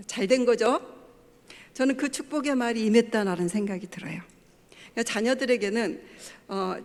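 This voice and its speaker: Middle-aged woman speaking in a reverberant church. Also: fairly high pitch. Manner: storytelling, acting out family quotes. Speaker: pastor's wife giving a family talk. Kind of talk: church lecture with personal stories. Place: church sanctuary. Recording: long church hall reverb.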